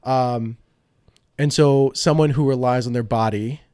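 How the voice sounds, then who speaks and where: A man of ordinary pitch hosts a laid-back podcast chat, talking with easy banter and lots of ums. His voice sounds close and dry, with little room sound. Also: measured pace, smooth, dry recording. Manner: relaxed, joking banter with many fillers. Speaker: podcast host, physical therapist. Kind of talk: casual podcast interview.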